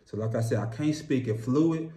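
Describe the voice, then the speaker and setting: An American man talking casually as an interview guest, candid and relaxed, often saying "you know what I mean". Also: mid-range voice, normal speed. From United States. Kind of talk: casual conversation. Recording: echoey room.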